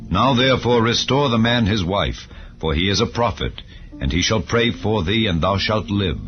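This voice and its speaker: A man voicing a stern yet merciful heavenly being in a scripture audiobook, solemn, authoritative and declamatory. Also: lowish voice. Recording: dull lo-fi audio over music.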